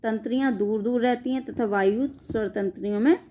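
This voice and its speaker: A woman teacher with a somewhat high voice works through exam-prep grammar notes. She reads each definition aloud, then restates it informally for her students. She catches and corrects her own slips as she goes. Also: normal speed, muffled recording. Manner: reads out definitions, then re-explains them in loose spoken asides; frequent self-corrections and "sorry".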